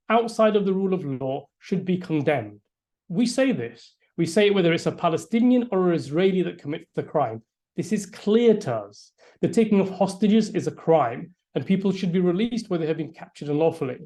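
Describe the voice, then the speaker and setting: A man's voice: sits high, lively intonation, fairly quick, warm tone. A middle-aged man from Yorkshire, a lawyer, speaking earnestly and with emphasis at a community briefing, often repeating words as he restarts. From Yorkshire, England. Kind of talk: earnest public address.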